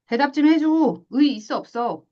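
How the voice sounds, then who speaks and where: A woman teaching a math class, lively, asking questions and acting out little scenes. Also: high-pitched, moderate pace, lo-fi sound. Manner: animated, asks questions and acts out little scenes. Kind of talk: classroom lecture.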